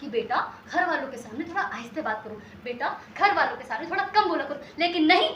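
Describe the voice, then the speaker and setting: A woman's voice: high-pitched, expressive, fairly quick, fairly bright tone, dull audio, slight background noise. A woman playing a bossy, chatty young daughter who rambles and orders people about, on a theatre stage. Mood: bossy chatter. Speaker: bride-to-be. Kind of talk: stage comedy acting. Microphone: distant stage mic. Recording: echoey theatre from far off, music.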